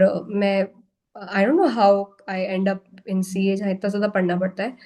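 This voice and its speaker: A woman's voice: medium pitch, darkish tone, poor audio. A young woman from India hosting an online workshop in a frank, casual talk, mixing Hindi with Indian-accented English. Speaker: workshop host. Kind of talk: casual motivational talk to a live online class. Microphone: video call.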